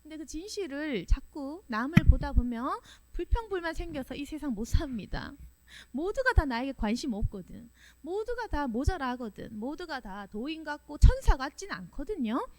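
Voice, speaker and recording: A woman pastor delivers a sermon in a high, lively voice whose pitch swoops up and down. She drives her points home with rapid strings of rhetorical questions. Every so often she laughs as she preaches. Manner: laughs now and then while preaching.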